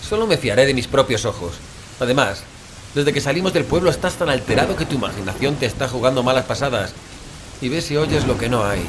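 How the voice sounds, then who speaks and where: A man's voice: mid-range voice, lively intonation, fairly quick, lightly acted. A man playing a down-to-earth, sceptical paranormal investigator in a horror audio drama, speaking bluntly and colloquially. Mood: dismissive, exasperated. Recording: rain and thunder noise behind.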